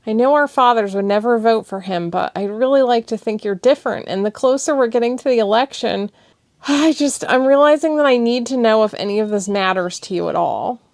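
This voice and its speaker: A woman voicing a passionate young woman who is crying and sniffling, speaking in high, pleading, breathless outbursts. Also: animated, slow pace, a little mellow, dry recording, clean studio sound, heavily acted. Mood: upset pleading. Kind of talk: audiobook character voice.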